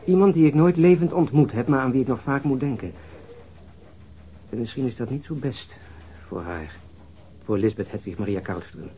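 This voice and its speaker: An actor playing a melancholy, thoughtful senior police detective in a radio drama, with an understated, reflective manner. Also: male voice, mid-range voice, normal speed, pauses often, mellow, dull audio, close to an everyday voice. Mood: wistful. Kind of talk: naturalistic Dutch radio drama acting.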